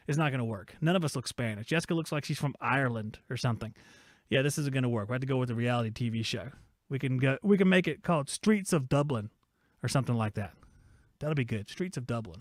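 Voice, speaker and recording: A man's voice: on the high side, no room sound, studio quality. A man in his forties hosting a live-streamed podcast from his workshop, rambling and joking as he reads viewer chat aloud. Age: 40s. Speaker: host of a live-streamed shop talk podcast.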